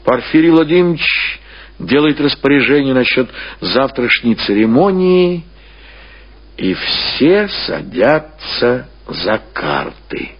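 A male narrator tells a literary story in a theatrical, deliberate way. His voice is husky and very varied in pitch. The recording has the dull sound of an old radio broadcast. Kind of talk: expressive scripted literary narration.

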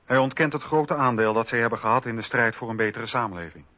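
A man's voice: medium pitch, fast, no room sound. A man narrating a documentary radio drama from a script. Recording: dull lo-fi radio recording. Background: music.

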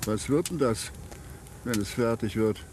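A man's voice: medium pitch, unhurried, lightly acted. An actor playing a sardonic white frontier man of the Old West in a radio drama, dry and laconic. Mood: dry mockery. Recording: clear ambient noise behind.

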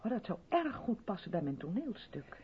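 An actress playing an effusive, self-absorbed white South African theatre director in a 1970s Dutch radio play, chatty and patronising in a theatrical way. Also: female voice, mid-range voice, very animated, normal speed, husky. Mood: chatty, purposeful. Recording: dull vintage radio recording.

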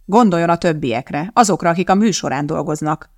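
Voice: medium pitch, no room sound, studio quality, close to an everyday voice. An audiobook reader voicing an anxious male TV producer who pleads and frets. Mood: worried. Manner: worried and pleading. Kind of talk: audiobook character voice.

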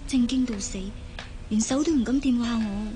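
An actress playing a spirited, romantic young woman student with a Hong Kong Cantonese accent in a radio drama, talking in a lively, sometimes sulky way. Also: fairly high pitch, moderate pace, close to an everyday voice. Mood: daydreaming. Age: young adult. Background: background music.

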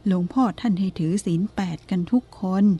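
A woman voicing a humble, deferential elderly female country cook in a storybook reading, slow and polite. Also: medium pitch, dark tone, slightly rough, close to an everyday voice. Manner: deferential, polite and self-effacing.

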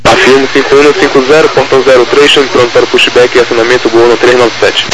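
Male Brazilian clearance controller, mid-pitched, procedural delivery, crackly military-style radio with static. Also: little pitch movement, quick pace. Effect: radio transmission. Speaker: air traffic controller. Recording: crackly, noisy aviation radio.

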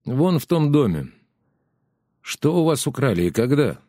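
A man doing a calm, puzzled man. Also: mid-range voice, a little slow, no echo, clean studio sound, voice pushed up.

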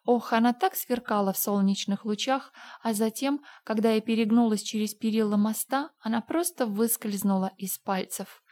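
A woman's voice: fairly high pitch, normal speed, few pauses, a little mellow, lightly acted. An actress playing Anne, a dreamy, dramatic orphan girl of about eleven, with emotional, theatrical pleading. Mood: dreamy confession.

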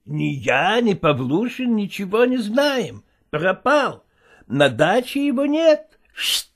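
A man's voice: high-pitched, very animated, pitched above the performer's own voice, heavily acted. A man voicing an evasive, fussy male theatre partner who speaks broken Russian with a Yiddish-flavoured accent. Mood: lamenting. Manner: drawn-out, wheedling, broken grammar. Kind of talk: audiobook character voice.

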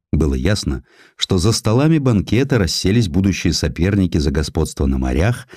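A man narrating a scripted historical essay as an audiobook, telling it in an expressive, measured, literary manner. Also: deep voice, no echo, studio quality. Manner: expressive, measured storytelling delivery.

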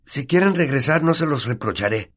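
A man's voice: mid-range voice, a little fast, pitched above the performer's own voice, lightly acted. A man with a Latin American Spanish accent voicing a brave, determined young schoolboy. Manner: steady, determined.

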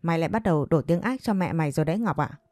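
A woman's voice: deep voice, expressive, racing, darkish tone, no room sound, studio quality. A woman voicing a weary middle-aged mother who scolds her daughter harshly, read in a storytelling voice. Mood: scolding.

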